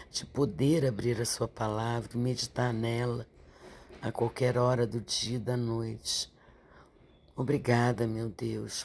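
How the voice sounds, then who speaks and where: A woman, stuffy and nasal from a sore throat, leading a slow, gentle Bible meditation and prayer. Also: very deep voice. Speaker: Bible devotional teacher.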